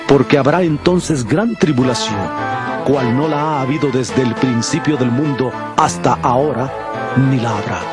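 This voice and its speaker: Solemn male prophet, played by an actor, measured declamation, audio Bible drama, mid-pitched, clear background music. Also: natural voice. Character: Jesus, solemn male teacher and prophet warning disciples.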